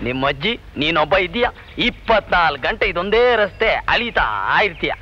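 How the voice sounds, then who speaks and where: A man's voice: high-pitched, very animated, moderate pace, sharp tone, a little hiss or hum, heavily acted. An actor playing a joking young man who teases his friends. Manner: joking, teasing, chuckling. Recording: dull old film soundtrack with music.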